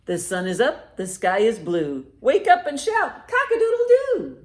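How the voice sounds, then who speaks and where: A woman hosting a children's storytime in an animated, encouraging, sing-song way, with rhymes and picture-book reading. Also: high-pitched, measured pace. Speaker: library storytime host. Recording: roomy, echoey indoor sound.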